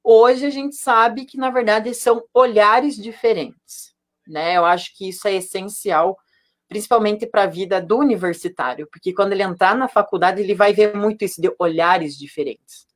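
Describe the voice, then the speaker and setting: This is a Brazilian man with a strikingly high voice. He teaches in an informal, conversational way, explaining things simply as in a live online class. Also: moderate pace.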